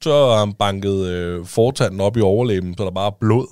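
Man, Danish accent, low voice, rambling casual chat, dry close recording. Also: a little mellow, clean tone, no room sound. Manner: rambling, many restarts and fillers. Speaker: podcast guest, a father.

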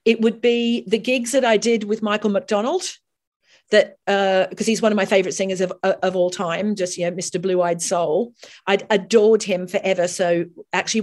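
Chatty Australian-raised woman singer. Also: medium pitch. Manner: chatty, animated storytelling with frequent restarts. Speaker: professional singer and guest. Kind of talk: casual interview chat.

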